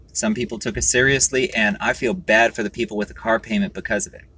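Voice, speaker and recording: A man talks very fast at a medium pitch with vocal fry and a bright, sharp tone. His pitch swings very widely. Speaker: rideshare driver vlogger. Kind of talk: casual advice monologue. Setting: in a car, live. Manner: stuttering over words; blunt, animated.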